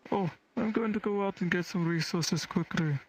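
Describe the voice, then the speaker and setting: A man playing a polite, helpful armored adventurer in a fantasy roleplay, speaking in measured phrases. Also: high voice, natural voice, poor audio. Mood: cheerful, helpful. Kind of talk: improvised fantasy roleplay in character.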